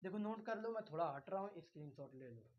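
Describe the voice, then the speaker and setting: A man's voice: on the high side, expressive, fast talker, lo-fi sound. Man teaching, repeating and quizzing. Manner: repeats key terms, quizzes listeners with questions; reassuring, coaxing with "bhai". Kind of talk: exam-prep grammar lecture.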